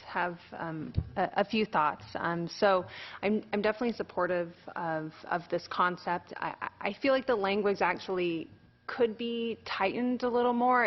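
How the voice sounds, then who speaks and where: A woman's voice: medium pitch, muffled recording. A woman speaking as a council member at a public meeting, polite and hedging, with frequent restarts.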